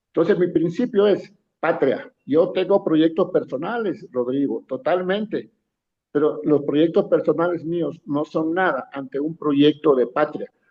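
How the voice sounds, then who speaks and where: A man's high voice moves fairly slowly, its pitch rising and falling in an ordinary way. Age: 70s. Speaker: retired mathematics professor, election watchdog. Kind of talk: panel interview. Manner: emphatic.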